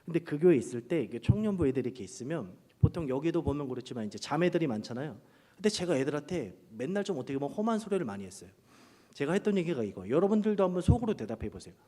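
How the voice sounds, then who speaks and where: A man preaching a sermon to his congregation, telling personal stories with humor and lively animation. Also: fairly high pitch, rapid-fire. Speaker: pastor. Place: church sanctuary during a worship service. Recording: long reverb of a large hall.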